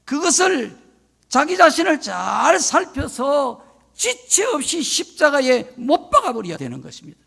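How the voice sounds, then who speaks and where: Older man, retired pastor, sermon, solemn warnings, gravelly fry, animated pitch. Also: a little slow. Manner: solemn warning, emphatic lists.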